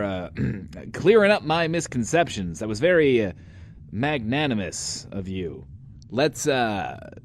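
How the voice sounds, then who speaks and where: Animated, wry bunker radio DJ. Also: male voice, medium pitch, heavily acted. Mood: flustered, sarcastic. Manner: hesitant stammers, theatrical wordplay. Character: flamboyant, wry male bunker radio DJ, self-important joker. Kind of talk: in-world radio show host in an audio drama.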